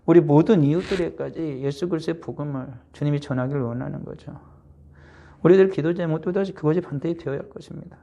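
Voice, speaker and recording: A man's voice: on the high side, creaky, dark tone. A male pastor giving a midweek sermon in a conversational way, acting out scripture quotes as everyday speech. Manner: conversational preaching, acting out Jesus's words in plain speech.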